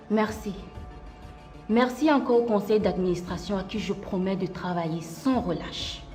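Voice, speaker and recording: A woman playing a composed new company head in a TV drama, with a formal, measured way of talking. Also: mid-range voice, darkish tone, lightly acted. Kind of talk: TV drama acting.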